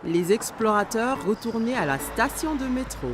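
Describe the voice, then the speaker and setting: A woman's voice: a little high, lively intonation, moderate pace, over music, lightly acted. A woman reading scripted children's story narration as the storyteller of a cartoon.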